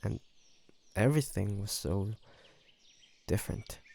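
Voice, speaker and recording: A man playing a gentle, remorseful vampire in an intimate audio roleplay, speaking hesitantly and earnestly with many pauses. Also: lowish voice, vocal fry. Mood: quiet, explaining. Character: remorseful, gentle male vampire tending his wounded victim.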